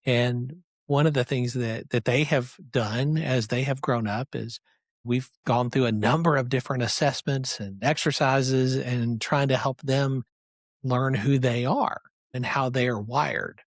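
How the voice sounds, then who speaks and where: A man's voice: medium pitch, steady tone, measured pace, dry recording, studio quality. A middle-aged man hosting a podcast, affirming his guest in an earnest, emphatic way. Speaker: podcast host. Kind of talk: conversational interview.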